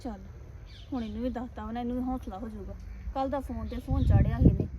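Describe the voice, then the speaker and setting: A woman's voice: on the high side, fairly even intonation, quick pace, muffled recording, natural voice. A young woman playing a chatty village girl teasing her friend on the phone. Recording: outdoor noise, birds and vehicles.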